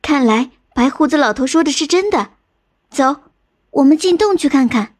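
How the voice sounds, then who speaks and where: A woman voicing a caring, steady elder sister in a storybook folk tale, leading with an encouraging manner. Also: sits high, moderate pace. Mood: eager. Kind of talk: storybook narration.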